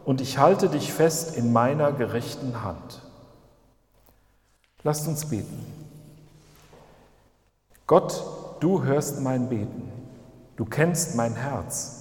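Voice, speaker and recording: A man leading a calm, measured prayer as a pastor in a church service. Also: medium pitch. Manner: calm, measured, meditative phrasing. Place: church hall. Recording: roomy hall with long reverb.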